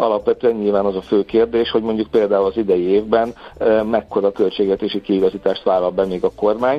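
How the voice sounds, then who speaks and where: Monotone, flat intonation and very even loudness mark this speech at a very fast pace. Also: man, fairly low pitch for a man. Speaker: financial analyst. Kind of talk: interview, economic analysis. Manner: halting, many fillers and repeats.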